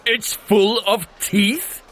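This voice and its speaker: A man's voice: sits high, steady tone, drawn-out words, a bit bright, full character voice. A man acting in an audio drama as a blustering, exasperated warrior thunder god, declamatory, indignant and plain-minded. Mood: suspicious, exasperated.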